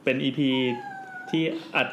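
A man hosting a casual chat podcast, quick and jokey, laughing often as he steers the talk. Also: fairly bright tone, muffled recording, slight background noise. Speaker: podcast host.

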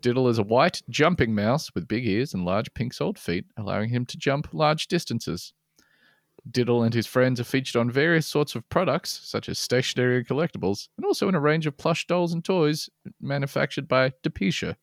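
A man's voice: medium pitch, fairly quick, creaky, dry recording. A man co-hosting a comedy podcast, reading listener mail aloud with dry asides and frequent laughs. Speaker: podcast co-host.

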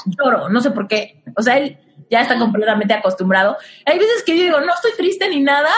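A woman's voice: high-pitched, a little hiss or hum. A young woman with a Mexican accent hosting a casual chat, giving frank relationship advice and posing rhetorical questions.

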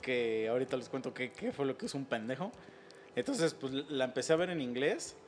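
A man's voice: medium pitch, fairly quick, slight background noise. A man with a Mexican accent hosting a casual, slangy chat, talking animatedly and laughing often.

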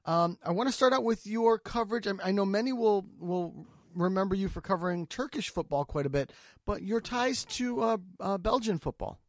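Higher-voiced male host, dry sound. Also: animated, normal speed, no room sound. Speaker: podcast host. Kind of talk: scripted show intro and interview questions.

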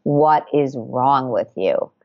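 A woman's voice: a bass voice, expressive, slow pace, muffled recording, voice pushed down, heavily acted. A woman voicing a contemptuous inner-critic figure that berates the listener. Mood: scornful. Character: scornful scolding inner-critic voice, female.

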